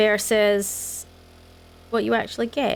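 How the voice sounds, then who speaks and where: In a Scottish accent, a woman talks very slowly in a relaxed tone at a fairly high pitch. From Scotland. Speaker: gamer. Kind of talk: casual gaming commentary. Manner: chatty, relaxed.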